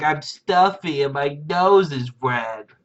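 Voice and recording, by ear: A man puts on a nasal character voice with a fairly high pitch. He speaks at a fairly slow pace.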